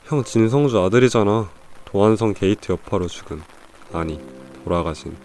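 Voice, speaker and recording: A man's voice: lowish voice, animated, moderate pace, darkish tone, soft background music. A man playing a sly, tipsy young student in a radio drama, casual and teasing with something hidden. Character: tipsy, sly young male junior student hiding motives.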